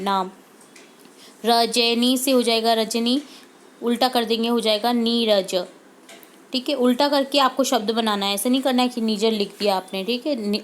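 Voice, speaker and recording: A woman teacher with a fairly high voice walks students through worksheet answers. She talks patiently, repeating each word slowly and dropping in English words here and there.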